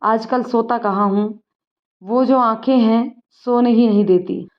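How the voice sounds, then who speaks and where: A woman voicing a shy, lovestruck young village man who talks gently and apologetically. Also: on the high side, measured pace, close to an everyday voice. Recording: dull lo-fi recording.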